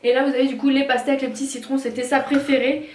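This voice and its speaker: Brief: high-pitched woman from France, casual haul vlogger, talks with fillers, echoey room with faint hiss. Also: little pitch movement, rapid-fire, a little mellow. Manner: chatty, hesitant with many fillers. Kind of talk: casual product haul chat.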